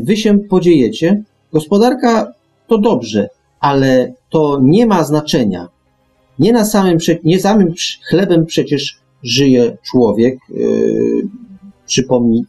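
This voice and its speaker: A man's voice: mid-range voice, sing-song, takes it slowly, mellow, slightly rough, soft background music. A man hosting a radio discussion, speaking emphatically and often restarting and repeating his phrases. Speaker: radio show host.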